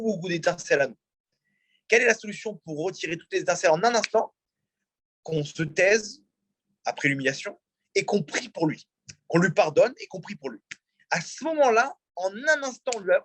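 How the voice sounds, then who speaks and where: A man's voice: a little high, no echo. A man, a rabbi, teaching a religious class and asking his audience questions as he explains. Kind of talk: religious lecture. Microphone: in-room mic, also streamed on a video call.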